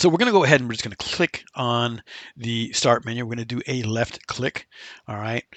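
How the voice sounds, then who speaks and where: The man's voice has a bright, sharp tone and a dry, close sound with no echo. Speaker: tech tutorial youtuber. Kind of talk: tutorial. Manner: casual, with many fillers.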